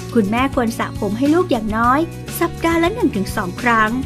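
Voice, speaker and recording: A woman speaks in a relaxed tone at a high pitch. Music plays in the background. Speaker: voice-over announcer. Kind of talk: instructional product narration. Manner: relaxed, happy, loving, like a mother chatting with a friend.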